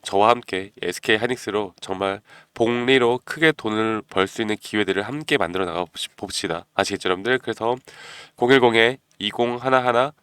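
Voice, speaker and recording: Guy w a cold pitching stock tips, keeps asking viewers if they get it, deep-ish voice. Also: brisk, hardly any pauses, a bit bright, clear, resonant tone, no echo. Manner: persuasive, keeps asking viewers "you know?". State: has a cold, clears his throat often. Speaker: stock market channel host. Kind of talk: stock analysis talk to viewers.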